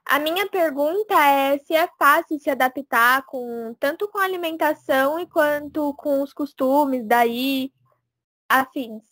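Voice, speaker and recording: A woman's voice: high voice, measured pace, a bit bright, dry recording. A young student mediator, a woman, asking questions politely and formally. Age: teenager.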